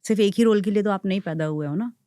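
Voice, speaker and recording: Chatty actress mixing Hindi and English. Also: female voice, medium pitch, racing, clear, resonant tone, dry recording. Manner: mixes Hindi and English freely, storytelling; animated, acts out others' quotes. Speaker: actress, interview guest. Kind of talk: podcast interview chat.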